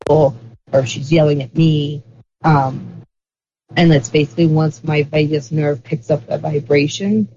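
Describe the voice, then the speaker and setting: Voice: medium pitch, steady tone, measured pace, mellow, dull audio, a little hiss or hum. An interview guest explaining ideas in a casual, rambling way, leaning on lots of "like" fillers. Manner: rambling, heavy use of "like" fillers.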